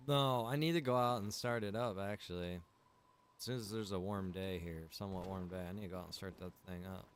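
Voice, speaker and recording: A man with a fairly low voice talks informally while playing a game on stream. He half talks to himself and grumbles mildly. Faint noise sits behind his voice. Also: brisk. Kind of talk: casual chat while gaming.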